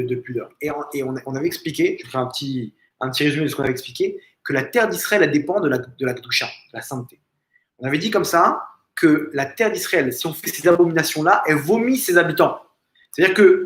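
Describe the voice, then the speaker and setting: Emphatic rabbi, higher-pitched man. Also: fairly bright tone. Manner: emphatic, fond of rhetorical questions and repeated phrases; frequent restarts and stumbles. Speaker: rabbi giving a lesson. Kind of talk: informal religious lesson. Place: family home. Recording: echoey room.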